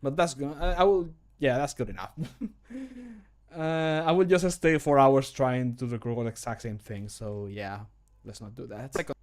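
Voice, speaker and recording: Speaking at a moderate pace with a medium-pitched voice, this middle-aged streamer keeps up casual, self-deprecating livestream commentary. He's recording voice lines for a game mod from a small room at home, sitting close to the microphone.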